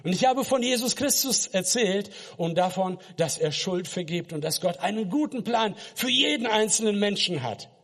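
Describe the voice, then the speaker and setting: An earnest man with a fairly high voice gives his personal faith testimony, turning often to the listener with direct questions. His words ring out with a long reverb trailing behind them. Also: animated, normal speed, hardly any pauses, a bit bright. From Kazakhstan. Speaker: missionary preacher.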